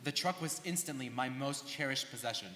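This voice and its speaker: A man's voice: mid-range voice, a little fast, pushed and bright, slight background noise, close to an everyday voice. A young man, a student performer, giving an earnest, rehearsed stage narration of life stories. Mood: earnest recollection. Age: young adult. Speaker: student performer in a dramatic reading. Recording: echoey hall, live stage reading.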